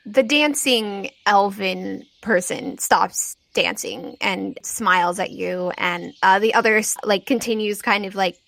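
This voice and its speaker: A woman improvising scene narration as game master, in a halting, conversational way full of "like". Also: mid-range voice, vocal fry, fairly bright tone, no room sound, poor audio.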